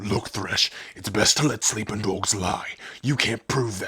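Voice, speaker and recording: A man puts on a growling character voice. He keeps a moderate pace. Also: fairly low pitch for a man. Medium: solo performance. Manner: blunt, coarse.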